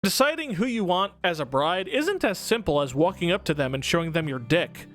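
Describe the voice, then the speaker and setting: Man, high voice, very lively intonation, casual comedic scripted narration, exaggerated emphasis, faint background music. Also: fairly quick. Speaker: video host and game reviewer. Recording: music under the voice.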